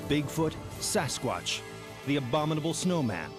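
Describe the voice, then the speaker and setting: A man's voice: fairly high pitch, sing-song, normal speed. Male nature documentary narrator over prominent music. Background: music bed.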